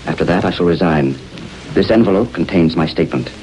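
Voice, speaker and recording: Deep-voiced upright judge, formal, old radio with hiss. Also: male voice, animated, fairly quick, a little mellow, poor audio. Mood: stern. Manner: formal, dignified. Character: upright older judge, stern but shaken. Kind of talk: 1930s radio drama acting.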